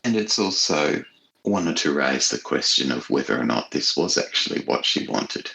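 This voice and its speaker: A man talking reflectively as a guest author in a casual interview, thoughtful and halting as he searches for words. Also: extremely low pitch, expressive, gravelly, pushed and bright, poor audio. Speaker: horror author being interviewed.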